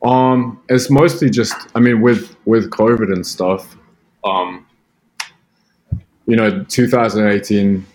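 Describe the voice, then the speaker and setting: Male podcast guest, low voice, Australian-sounding British-American accent, casual conversational delivery. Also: fairly even intonation, slow, long pauses, darkish tone, rough recording. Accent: British mixed with American, sounds Australian. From Britain. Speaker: podcast guest, music producer. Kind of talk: casual chat.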